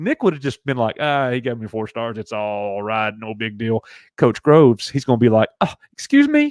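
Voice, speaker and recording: Here a man speaks at a moderate pace in an animated tone. The recording is very clean, with a silent background and a dry, close sound with no echo. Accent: Alabama. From Alabama, US South. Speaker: live stream co-host. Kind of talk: casual live stream chat.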